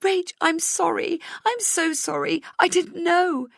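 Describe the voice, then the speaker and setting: Sobbing frightened woman played by a female narrator, high-pitched, guilt-stricken, audiobook drama, close dry sound. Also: steady tone, slow, vocal fry, no room sound, full character voice. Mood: sobbing, apologetic. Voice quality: wailing, tearful.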